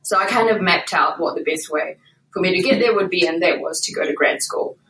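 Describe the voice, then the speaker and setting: A woman's voice: on the low side, brisk, a bit bright, distant mic. New Zealand woman in an echoey room. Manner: chatty, with many fillers and hedges. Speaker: podcast guest, editor. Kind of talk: casual interview talk.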